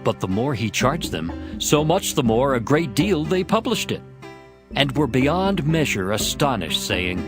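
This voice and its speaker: A man narrating a dramatized scripture reading in a measured, formal manner. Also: mid-range voice, big pitch swings. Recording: music under the voice.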